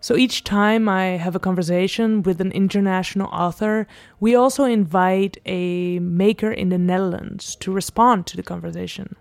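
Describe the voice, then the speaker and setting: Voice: mid-range voice, creaky, dry recording. A podcast host giving an earnest, informative introduction. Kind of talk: spoken introduction.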